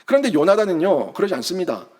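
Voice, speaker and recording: A man's voice: sits high, very animated, fast talker, darkish tone. A male pastor preaching a sermon, emphatic and putting rhetorical questions to his congregation.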